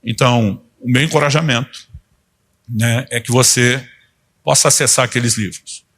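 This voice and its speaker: A man in his fifties preaching in an easy, conversational way, his voice a little husky. He slips into quoted dialogue as he tells his stories, at a middling pitch. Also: normal speed, a bit bright. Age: 50s. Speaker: pastor. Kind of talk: sermon.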